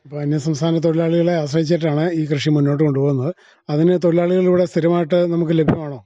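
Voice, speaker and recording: Very mellow, quick-talking Kerala man interviewing. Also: fairly high pitch, fairly even intonation, no echo. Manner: inquisitive, often ends with confirming tag questions. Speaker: radio interviewer. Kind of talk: conversational interview questioning. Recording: dull, band-limited dry radio recording.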